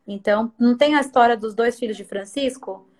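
A woman's voice: a little high, fairly quick. A middle-aged woman who owns a salon, chatting as an interview guest and animatedly acting out the lines of the people in her stories. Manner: animated storyteller who acts out others' lines. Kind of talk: casual storytelling chat.

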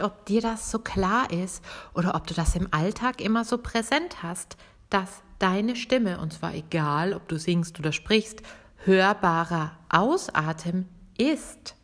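A woman hosts a podcast as a voice coach, talking straight to the listener in a lively, friendly way and showing the examples with her own voice. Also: mid-range voice. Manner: lively, addresses listener directly, demonstrates voice examples.

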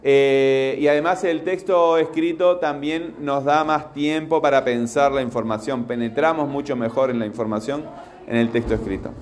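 A man's voice: mid-range voice, normal speed. Patient male teacher. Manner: patient, asks the class repeatedly. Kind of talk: classroom lecture with questions.

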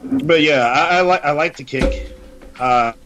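A man's voice: a little high, a little slow, music in the background. A man talking as a podcast guest in a laid-back, blunt, joking way. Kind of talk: casual chat.

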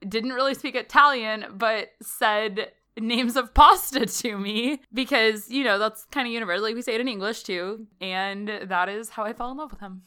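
A young adult woman, a podcast guest, telling stories in animated, giggly casual chat. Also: on the high side, moderate pace, hardly any pauses, clear, resonant tone.

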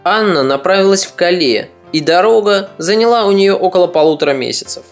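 A podcast narrator reading a scripted history story in a measured, slightly ironic way. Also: medium pitch, animated, faint music behind.

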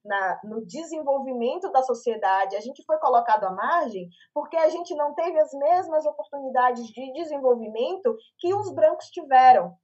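Brazilian woman on a video call, higher voice, lively storytelling, kinda muffled lo-fi sound. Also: normal speed, hardly any pauses, husky. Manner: animated, expressive storyteller. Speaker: panel guest, media professional. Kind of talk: casual live panel chat. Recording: lo-fi online call audio.

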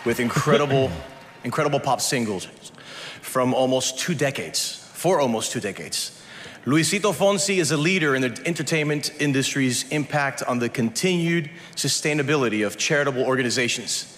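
A man's voice: mid-range voice, moderate pace, a little hiss or hum. A man giving a formal award presentation speech. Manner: formal, building to a loud announcement. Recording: roomy hall with ambience.

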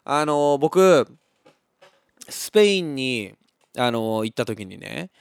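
A man's voice: medium pitch, slow, creaky, clean tone, no echo. Chatty man. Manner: chatty, laughs often, lively storytelling with sound effects. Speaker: podcast host reading listener messages. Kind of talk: casual chat.

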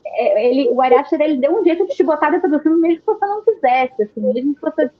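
High-voiced Carioca woman talking Rio street slang. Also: expressive, fast talker, dull audio. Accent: Carioca (Rio de Janeiro). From Rio de Janeiro, Brazil. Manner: informal, slangy, swears casually. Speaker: panelist discussing films. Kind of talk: casual film discussion with Rio street slang.

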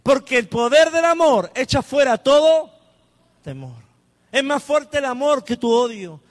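A man preaching a sermon with great passion, swinging from loud shouts to hushed low phrases and calling on the congregation to repeat after him. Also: animated, a little slow, in a large hall.

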